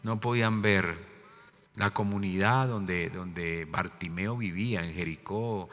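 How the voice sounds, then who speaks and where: Emphatic pastor in an echoing church. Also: male voice, low-pitched. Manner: emphatic, repeats key words, swings between loud and soft. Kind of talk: sermon. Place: church sanctuary. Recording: reverberant church hall with faint music.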